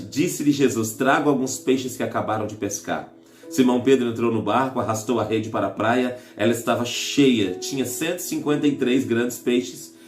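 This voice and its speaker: A man's voice: medium pitch, a little mellow. A man with a Brazilian Portuguese accent preaching a sermon in a church, earnest, often rephrasing mid-sentence and calling his listeners brothers. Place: church hall. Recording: echoey church hall with faint music.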